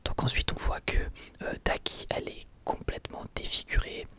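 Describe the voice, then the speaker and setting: An ASMR creator, whispering an episode recap in a hushed, hesitant way. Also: normal speed.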